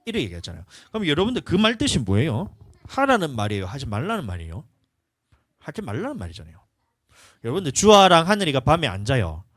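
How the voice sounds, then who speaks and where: A man's voice: fairly high pitch, quick pace, dry recording, clean studio sound. A male pastor preaching a sermon, telling stories and acting out the dialogue in different voices. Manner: animated storytelling, acts out dialogue in different voices.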